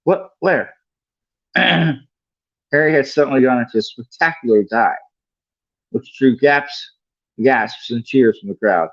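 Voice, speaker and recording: A man's voice: medium pitch, unhurried, long pauses, a bit bright, dry recording, highs cut off. A man reading a story aloud as a livestream host, now and then stumbling over a word and correcting himself. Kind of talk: read-along audiobook narration.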